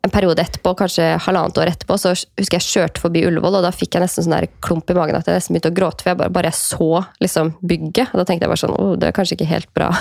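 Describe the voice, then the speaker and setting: A woman in her thirties with a low voice, chatting in a relaxed, reflective way. Her voice has a gravelly edge. The recording is dry and close. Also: no room sound. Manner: reflective, many fillers and quoted inner thoughts. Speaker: guest. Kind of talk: casual conversation.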